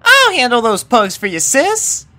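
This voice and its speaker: A man voicing an excitable young country filly in a pony story, playful and eager, with folksy talk. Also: very high voice, a little slow, pitched above the performer's own voice, full character voice.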